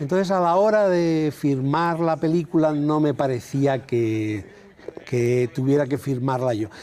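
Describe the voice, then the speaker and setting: This man has an unremarkable speaking voice, fairly high in pitch, with ordinary pitch variation, very even loudness and a fairly slow pace. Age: 60s. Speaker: film director. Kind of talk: TV interview.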